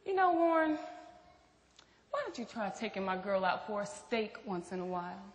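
An actress playing a bold, teasing, bossy best friend with a sharp tongue in a stage play. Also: female voice, medium pitch, sing-song, normal speed, natural voice. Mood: cutting, sassy. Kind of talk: theatrical stage play acting. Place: stage in a theatre hall. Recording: echoey theatre hall, faint noise.

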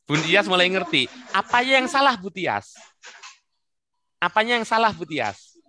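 A man leading an online work-habits workshop, coaxing participants by name in a lively, teasing way over a video call. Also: high voice, measured pace. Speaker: webinar trainer. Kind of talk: interactive online workshop talk.

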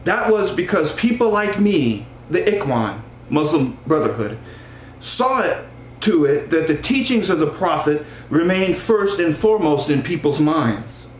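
Middle-aged American male author for a book reading; slightly high voice, deliberate delivery, echoey room. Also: very animated. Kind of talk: introducing and reading aloud an excerpt from a novel. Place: small room at home, indoors. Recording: roomy echo, faint background hum.

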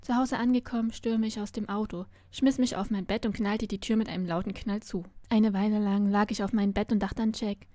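A woman's voice: medium pitch, steady tone, fairly quick, hardly any pauses, dark tone, no room sound, studio quality. A woman reading a novel aloud, narrating expressively in the first person. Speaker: story reader.

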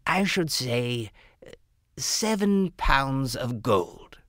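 A man voicing a fawning, eager-to-please male jeweler in a storybook tale, speaking in an obsequious, flattering way. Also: medium pitch, extremely slow, dry recording, clean studio sound, voice pushed up, exaggerated voice. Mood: sly.

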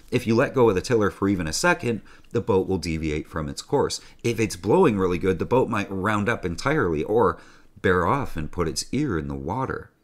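A man in his forties hosting a sailing channel, talking casually and enthusiastically to a desk camera in a small room. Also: fairly low pitch. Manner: enthusiastic, joking, conversational. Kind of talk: casual video presentation.

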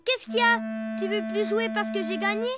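A woman voicing a cheerful little boy penguin in a children's cartoon, bright and playful. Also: very high voice, fairly even intonation, fairly quick, over loud music. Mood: boastful. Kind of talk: cartoon voice acting.

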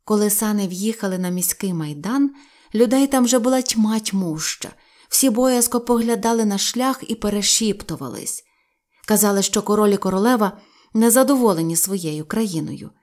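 A woman narrating a fairy tale aloud in a calm, even reading voice. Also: mid-range voice, moderate pace. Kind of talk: storybook narration.

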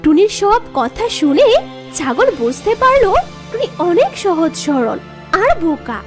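A woman's voice: very high-pitched, big pitch swings, a little slow, faint music behind. A woman narrator reading a scripted children's cartoon story.

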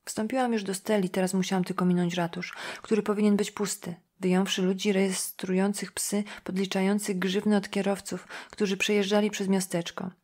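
A woman reading a novel aloud as a first-person audiobook narrator, in a quiet, measured, inward tone. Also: mid-range voice.

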